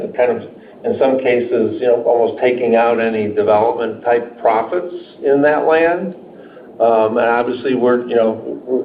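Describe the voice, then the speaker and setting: A man speaking as a company executive, answering off the cuff on an earnings call in a conversational, stop-and-start way. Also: medium pitch. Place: indoor room on a conference call. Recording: roomy muffled conference call, noisy.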